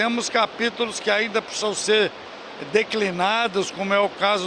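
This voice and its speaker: A man with a high pitch speaks in a monotone, flat way over noticeable background noise. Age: 80s+. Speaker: agronomist, agricultural aviation pioneer. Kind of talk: interview answer.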